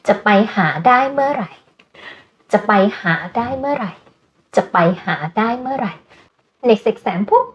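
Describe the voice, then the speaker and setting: A woman with a Thai accent, a native Thai speaker, teaching a language lesson and slowly repeating words. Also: high-pitched, highs cut off. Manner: slow, careful repetition of Thai words.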